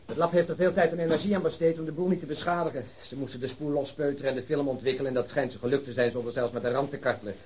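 Guy doing a chatty joker cop, radio drama, talks really fast, bit of noise behind. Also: medium pitch, a little mellow, close to an everyday voice. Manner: gossipy, joking, talkative. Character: chatty, irreverent, wisecracking police detective.

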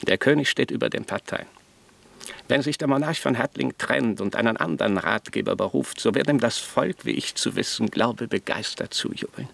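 An actor playing a haughty, shrewd Catholic archbishop in a German radio play, speaking in a formal, declamatory and pointed manner. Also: male voice, medium pitch, normal speed, gravelly, a bit bright, no echo. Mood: haughty, cool.

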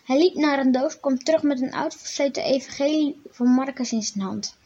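A woman's voice: sits high, normal speed, dark tone. A woman reading a children's Bible story aloud and then speaking directly to children, in plain read-aloud narration. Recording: dull lo-fi recording.

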